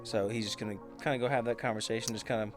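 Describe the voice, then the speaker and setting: A man playing a tabletop role-playing game, casually and haltingly describing what his character does. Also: lowish voice, fairly even intonation, soft background music. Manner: loose, halting, peppered with "like" and "kinda".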